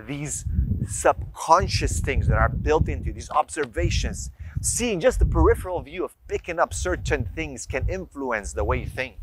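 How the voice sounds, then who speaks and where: A man's voice: fairly high pitch, background noise. A man giving an informal explanatory talk as a religious advice speaker, teaching emphatically with rhetorical questions and lists of examples. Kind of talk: informal explanatory lecture to viewers.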